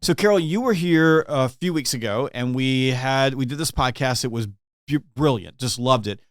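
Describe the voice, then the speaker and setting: A male podcast host talks with a guest in an eager, conversational manner. His voice is clear and smooth at a medium pitch. The sound is close and dry, with no reverb. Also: normal speed. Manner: enthusiastic, conversational, some restarts. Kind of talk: podcast interview.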